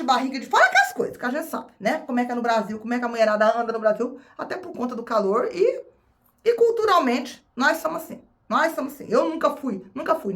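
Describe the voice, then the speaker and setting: A woman's voice: high voice, fairly bright tone. A woman from Brazil with a Brazilian Portuguese accent, chatting casually to her viewers as a vlogger, often repeating her phrases. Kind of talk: casual chat to camera.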